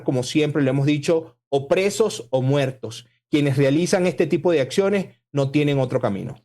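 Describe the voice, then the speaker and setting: A man from Venezuela, a political spokesman, speaking forcefully and combatively as a guest in a radio interview. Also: on the high side. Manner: forceful, combative political talk with emphatic lists.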